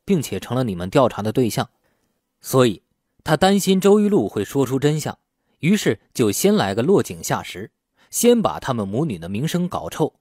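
A man's voice: medium pitch, very animated, moderate pace, a little mellow, dry recording, studio quality. A man voicing a shrewd, suspicious, outspoken man with an insistent manner in an audiobook. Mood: calm, knowing.

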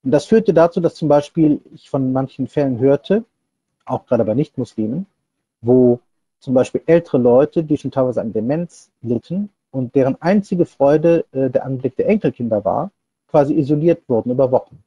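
A middle-aged man preaching an explanatory sermon in a measured, deliberate manner. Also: mid-range voice, lively intonation, dark tone, breathy edge, no echo, dull audio. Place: small indoor room, seated before a screen divider. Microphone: wired earphone headset on a video call setup.

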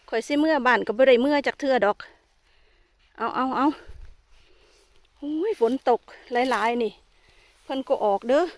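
Out in a forest, a vlogger with an Isan Thai accent chats informally while filming, with frequent exclamations. Her high voice comes through cleanly with no echo.

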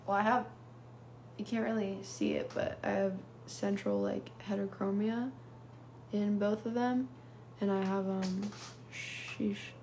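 A woman's voice: medium pitch, steady tone, measured pace, a little mellow, roomy sound, slight background noise. A young woman from California chatting casually and sleepily with viewers on a phone livestream. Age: young adult. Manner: casual, drowsy, answers viewers in short bits. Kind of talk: live stream chat reading comments. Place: small room indoors. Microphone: phone held close to face.

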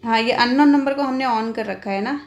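A woman's voice: fairly high pitch, moderate pace, highs cut off. An Indian woman hosting an informal phone tutorial, explaining step by step and often adding little check-in tags. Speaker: tech tutorial host.

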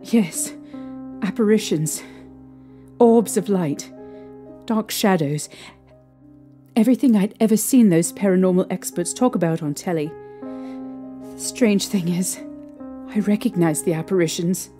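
A young woman playing a distraught, haunted mother recounting her ordeal emotionally and haltingly in an audio drama. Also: lowish voice, warm tone, faint music behind, lightly acted. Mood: grave, sad.

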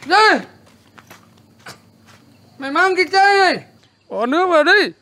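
A woman's voice: very high voice, animated, unhurried, pushed and bright, exaggerated voice. An actress playing a bossy, harsh young village woman who scolds and orders people around, in a television drama. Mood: scolding.

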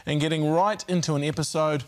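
A man's voice: on the high side, fairly even intonation, a little fast, darkish tone. A man, presenting a TV magazine show in an upbeat, scripted way. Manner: upbeat scripted link reading. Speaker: TV host.

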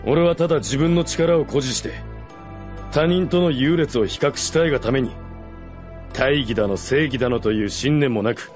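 A man playing a blunt, battle-seasoned mercenary with rough speech in a Japanese fantasy radio drama. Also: mid-range voice, darkish tone, lightly acted. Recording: studio drama with music behind.

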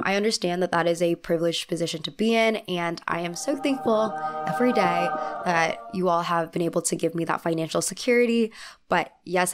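A young woman in her twenties with a congested, slightly nasal voice from a cold, talking into a handheld mic in a small room in a wry, opinionated scripted video essay with emphatic asides. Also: lowish voice. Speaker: fashion commentary host. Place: small indoor room with lamp and plant. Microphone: handheld mic held close.

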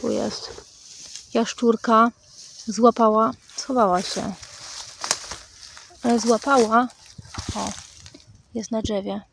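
A woman chatting casually as she films a walk outdoors, talking to viewers and cooing loudly to her dog. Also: on the high side, vocal fry, background noise. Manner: coos in a loud sing-song baby voice to her dog; calm, unhurried chatty commentary. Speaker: vlogger. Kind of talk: casual walking vlog. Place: outdoors in the countryside and a garden plot.

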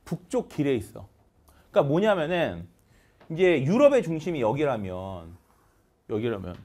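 A man teaching English vocabulary in an online lecture, animated and leading chanted word drills. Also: medium pitch, moderate pace.

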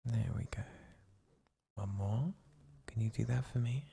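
A man voicing a doting, possessive boyfriend in an ASMR roleplay who whispers slowly to lull the listener to sleep. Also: medium pitch, slight background noise. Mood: soothing. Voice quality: whispery, gravelly, breathy. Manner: slow, soothing, coaxing hush.

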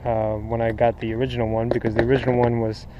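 Standing in shallow water next to his kayak, a mid-pitched male angler walks through his gear quickly in an easygoing, rambling way, dropping lots of "uh" fillers. The sound comes from an action camera mounted on the kayak, so it's lo-fi, with obvious wind and water noise in the background.

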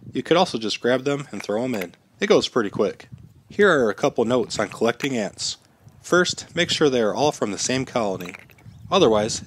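A man in his thirties hosting a how-to channel, narrating step-by-step instructions in a steady, plain way while slightly sick. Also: mid-range voice, a little hiss or hum. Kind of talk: scripted how-to voice-over.

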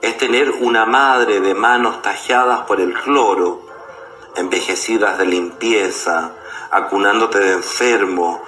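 A Chilean man acting a defiant, proud ageing gay poet, declaiming deliberately in a radio play monologue. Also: lowish voice, sharp tone. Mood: defiant, bitter. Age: older. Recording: roomy echo with music behind.

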